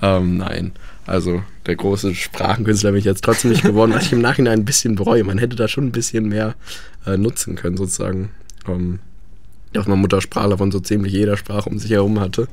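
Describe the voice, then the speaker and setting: A man's voice: lowish voice, fairly even intonation, a little fast, a little mellow, slight background noise. A young man chatting about life abroad, hesitant with many fillers. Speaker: guest. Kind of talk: casual radio chat.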